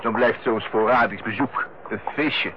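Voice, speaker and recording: An actor playing a lighthearted, teasing youngest brother in a Dutch radio play, with a jovial, bantering manner. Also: male voice, on the low side, fairly even intonation, a little slow, close to an everyday voice. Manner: jovial, bantering, chuckling way of talking. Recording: dull, noisy old radio play recording.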